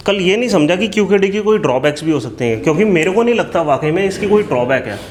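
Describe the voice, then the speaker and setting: Male teacher from India, patient lecturing tone, slightly high voice, quizzes his students. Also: expressive, fast, faint music behind. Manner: explains patiently, asks students questions. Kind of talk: online class lecture.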